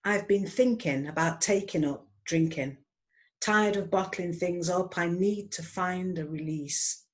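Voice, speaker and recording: A woman in her fifties reads her own poem with a wry, punning delivery. Her voice sits a little low, and she reads at an even, measured pace. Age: 50s. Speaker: poet. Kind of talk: poetry reading. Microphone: online video call.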